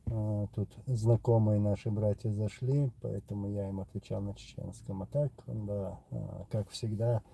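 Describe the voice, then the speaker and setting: A man with a Chechen accent, a native Chechen speaker, hosting a live stream and answering viewer questions in an unhurried way, pausing often. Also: on the low side, fairly even intonation, gravelly, dark tone, slight background noise, poor audio. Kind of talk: casual live chat reading comments.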